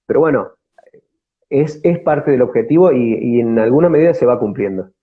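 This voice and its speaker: This theatre actor from Córdoba, Argentina, speaks at normal speed in a mid-range voice with lively intonation, answering interview questions in a conversational way. He gropes for words and repeats them, all through narrow, tinny audio.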